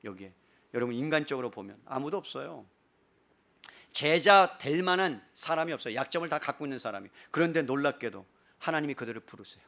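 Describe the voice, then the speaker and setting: A male pastor preaching a Sunday sermon, animated, firing rhetorical questions at the congregation and swinging between loud bursts and hushed passages. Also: medium pitch, fast talker, creaky.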